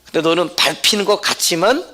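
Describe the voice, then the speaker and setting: A man's voice: high voice, lively intonation, a little fast, pushed and bright. A man preaching a Sunday sermon as pastor at a church service, talking conversationally and often checking in with the congregation.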